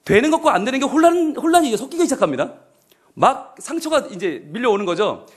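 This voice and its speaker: Male pastor, sermon, church service, humorous, questioning, high voice. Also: fast, slightly rough. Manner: animated, humorous, asks the congregation questions.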